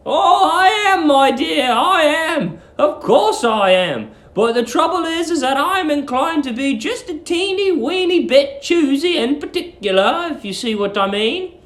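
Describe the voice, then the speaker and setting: A sweet, eerily eager middle-aged English landlady played by a man coos in a very high, swooping voice. She is genteel and lingers on her words, as in a storybook reading in a roomy, echoing space. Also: very animated, fairly bright tone, full character voice. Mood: sweetly coaxing. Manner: cooing, genteel, drawn-out emphasis.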